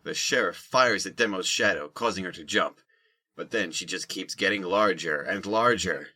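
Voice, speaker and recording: A man's voice: low voice, moderate pace, pushed and bright. A man narrating a scripted audio drama in the third person.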